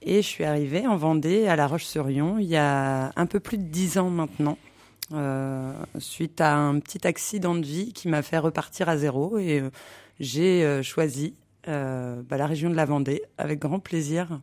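A woman from the Paris region answering radio interview questions, often pausing on filler sounds. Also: low voice, a little mellow. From Paris region, France. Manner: hesitant, many filler sounds. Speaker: interview guest, animal care worker.

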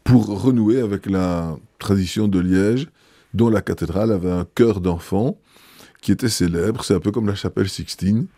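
A man, a bishop answering interview questions in a thoughtful, hesitant way with many pauses. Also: on the low side, dark tone, dry recording, studio quality.

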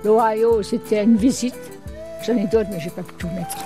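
An older woman from Brittany, a returned emigrant, telling stories as a guest on a radio interview in a lively, chatty way. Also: mid-range voice, normal speed, music in the background. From Brittany, France. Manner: lively storyteller, chatty and animated.

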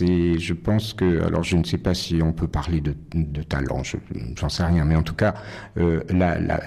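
This is a middle-aged man from Nice, France, a concert pianist giving thoughtful interview answers. He speaks low and mellow with a creaky quality, pausing and restarting often.

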